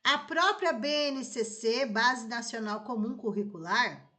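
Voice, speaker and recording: Bright-voiced teacher woman, chatty lesson. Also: a little high, a little slow. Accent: Brazilian Portuguese. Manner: conversational, checks understanding with tags like "tá?" and "né?". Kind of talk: explanatory lesson.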